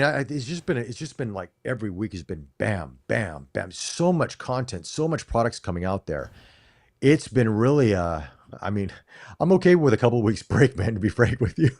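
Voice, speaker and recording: A middle-aged man from the United States co-hosts a casual live-stream chat, speaking emphatically and frequently restarting his phrases. His medium-pitched voice is a little mellow.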